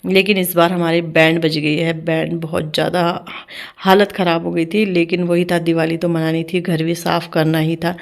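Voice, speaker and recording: A young woman narrates her home vlog in a chatty, homely way. Her voice sits a little low. She restarts and adds fillers as she goes. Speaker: home vlogger. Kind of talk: casual vlog voice-over narration.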